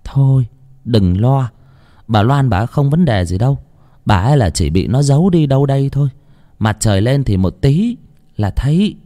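A man voicing an older village woman who is a spirit medium, explaining slowly and matter-of-factly. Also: mid-range voice, lively intonation, dark tone, pitched above the performer's own voice, close to an everyday voice. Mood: calm, knowing.

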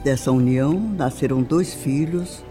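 An actress playing a refined, sorrowful older mother in a radio drama, with a Brazilian accent and solemn, deliberate, formal phrasing. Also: a bass voice, warm tone. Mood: grave, bitter. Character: older upper-class widowed mother, grave, sorrowful, refined. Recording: music under the voice. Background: background music.

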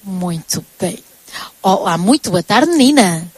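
A woman's voice: mid-range voice, expressive, a little slow, husky, no echo, rough recording. A woman, interviewing students live on radio in a chatty, effusive and encouraging way.

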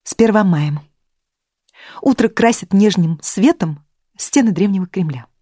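An audiobook reader voicing a curious, lively young woman who asks short, direct questions. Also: medium pitch, fairly quick, dry recording, studio quality, lightly acted.

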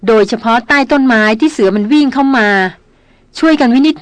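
A woman's voice: high-pitched, a little fast, no echo, pitched above the performer's own voice, lightly acted. A woman voicing a frightened but insistent young woman in an audiobook, speaking earnestly. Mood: uneasy.

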